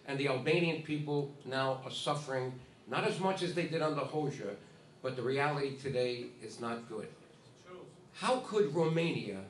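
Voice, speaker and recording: Emphatic male ceremony speaker, off the cuff, recorded from afar in a roomy hall with faint hiss. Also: mid-range voice. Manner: emphatic, repeats himself, talks to the audience. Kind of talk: informal speech at a ceremony. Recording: echoey hall, distant mic, faint hiss.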